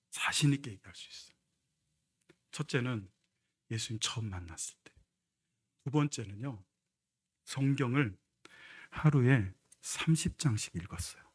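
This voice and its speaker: A man's voice: mid-range voice, a little mellow, slightly rough. A middle-aged man preaching a sermon as pastor, moving between conversational storytelling and emphatic exhortation. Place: church sanctuary.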